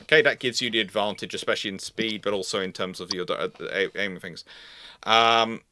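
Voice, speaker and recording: A man's voice: lowish voice, a little fast, bright, forceful tone. A man hosting a live question-and-answer on naval history, explaining in a rambling way and often restarting his phrases. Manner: rambling, repeats and restarts phrases mid-sentence. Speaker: host of a live Q&A show.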